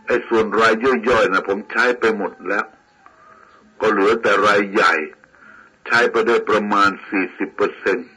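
A man's voice: fairly low pitch, fairly even intonation, normal speed, pushed and bright, husky, faint music behind, poor audio. A man voicing an ashamed, debt-ridden younger man who speaks humbly and pleads for help. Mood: humble, pleading. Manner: pleading, deferential.

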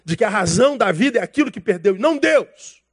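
A man delivers a sermon as a pastor, in a notably high voice. He keeps it casual and slangy and addresses the congregation as brother. He acts out conversations from his anecdotes. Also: expressive, fast talker, breathy edge. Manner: casual, slangy preaching that calls listeners brother; acts out dialogue from his stories.

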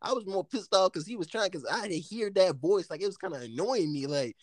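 Lively man co-hosting. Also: high-pitched, brisk, dry recording, clean studio sound. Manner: animated storyteller, breaks into mocking impressions. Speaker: podcast co-host. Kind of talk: casual chat. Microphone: phone microphone.

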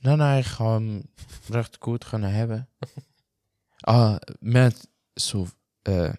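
A man's voice: on the low side, slow pace, dry recording, studio quality. A young man with a Swiss German accent, originally from Macedonia, telling a casual story in a podcast chat. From Albanian from Macedonia. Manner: animated, slangy storyteller with frequent filler tags. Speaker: podcast host.

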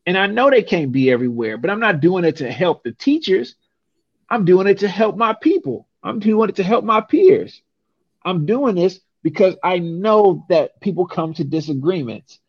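Man, from san francisco, emphatic rhetorical talker, slightly high voice, dull dry recording. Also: lively intonation, normal speed, slightly rough, no room sound. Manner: emphatic, rhetorical, repeats "right?". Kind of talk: casual conversation.

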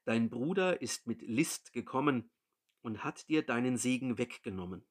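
A man voicing an old blind father who gives a solemn, measured blessing. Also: mid-range voice, expressive, close to an everyday voice. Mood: grave.

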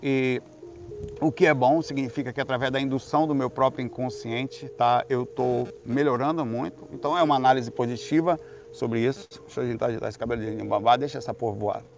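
A man with a Brazilian Portuguese accent telling a long story in a casual, rambling monologue, swearing freely and swinging between hushed and loud. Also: mid-range voice, fairly even intonation, a little fast, soft background music.

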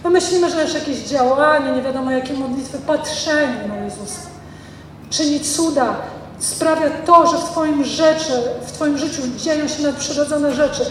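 A woman pastor preaching a sermon, reading scripture aloud and then retelling it with emphatic, expressive preaching, and closing in prayer. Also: high-pitched, moderate pace, slight background noise. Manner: ends in prayer. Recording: reverberant hall from a distance, faint ambience.

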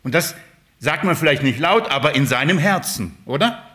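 Guy preaching a sermon, kinda high voice, big swings loud to quiet, keeps asking the crowd questions. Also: lively intonation, normal speed. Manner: emphatic, swings between loud and hushed; addresses the congregation with rhetorical questions.

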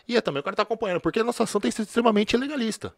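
A man's voice: sits high, rapid-fire, no echo. A man, a former police officer telling stories in a slangy, casual conversation. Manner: storytelling, slangy, repeats filler words.

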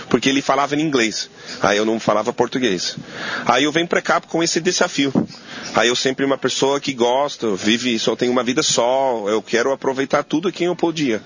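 Halting New chef speaking Portuguese. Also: male voice, medium pitch, fairly bright tone, breathy edge, dull audio. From New Zealand. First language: English. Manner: halting, searching for words in Portuguese. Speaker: chef guest. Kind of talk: casual interview.

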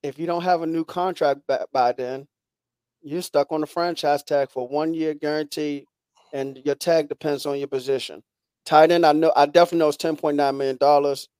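Higher-voiced man hosting casual sports talk. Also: fairly even intonation, brisk, a little mellow, smooth, no room sound, clean studio sound. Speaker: podcast host.

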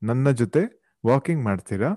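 A man with a Kannada accent teaching language on a podcast, translating phrases and explaining them word by word in a deliberate, repetitive way. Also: medium pitch, expressive, dark tone, no echo, studio quality. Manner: explanatory, repeats words deliberately.

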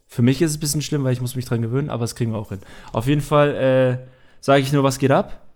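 A man's voice: medium pitch, fast. A young man co-hosting a casual podcast, talking loosely with lots of fillers and asides. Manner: relaxed, rambling with many fillers. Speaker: podcast co-host.

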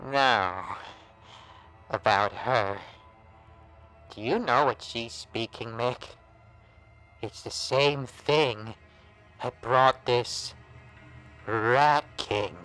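An actor playing a monstrous transformed old pal in a noir horror audio drama, taunting and warning in drawn-out, insinuating gangster slang. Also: male voice, medium pitch, sharp tone, full character voice. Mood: sly, accusing.

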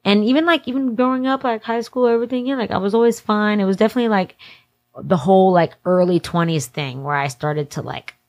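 A woman's voice: medium pitch, fast. A twenty-nine-year-old woman speaking as an interview guest in casual, candid conversation, with slangy, informal phrasing full of "like". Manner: informal slang-filled talk, heavy use of "like". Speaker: interview guest working in music industry event production.

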